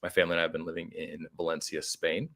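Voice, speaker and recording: A man's voice: low-pitched, monotone, fast, vocal fry, a bit bright. A middle-aged American man telling his story casually as a podcast guest, talkative and a little rambling. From United States (Arizona).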